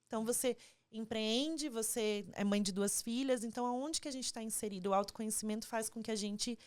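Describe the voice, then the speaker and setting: A woman from Paraná with a Curitiba accent and a slightly high voice hosts a relaxed podcast interview. She talks in a chatty, upbeat way and keeps checking in with "né?". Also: a little fast, clear, resonant tone. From Paraná, Brazil. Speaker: podcast host.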